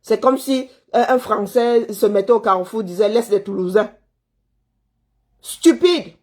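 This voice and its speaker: Slightly slow and a little mellow at a medium pitch, a woman from Cameroon replies to viewers as a commentator. She launches into a fiery rant scolding a listener, repeating points and throwing out rhetorical questions.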